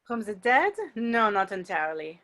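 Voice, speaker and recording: A woman's voice: mid-range voice, animated, moderate pace, bright, forceful tone. A woman playing a frank, encouraging young French exchange student in an amateur script read over a video call. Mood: frank, prodding.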